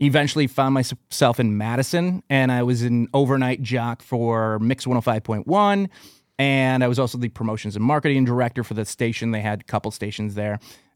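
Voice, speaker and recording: With an unremarkable speaking voice and an American accent, a man speaks at a moderate pace with a medium pitch and ordinary pitch variation, in a dry, close sound with no echo on a very clean recording with a silent background. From Wisconsin, Milwaukee suburbs (Brookfield). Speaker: social media coach and entrepreneur. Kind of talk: casual interview.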